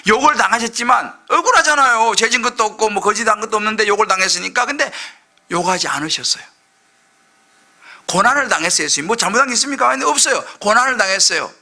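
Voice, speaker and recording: A middle-aged male pastor preaching a sermon, impassioned, swinging from loud outbursts to hushed asides. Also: sits high, animated, fast. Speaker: senior pastor.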